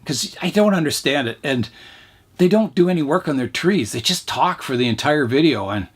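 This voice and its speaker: A man hosting his bonsai channel, talking casually while he works on a tree, his voice hoarse from talking too much. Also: on the high side, lively intonation, moderate pace. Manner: rambling, chatty, talks while pruning. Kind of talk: casual narration while working.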